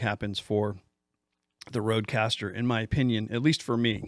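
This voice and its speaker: In a very clean recording against a silent background, a man is talking. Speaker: tech youtuber. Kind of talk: tutorial. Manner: casual.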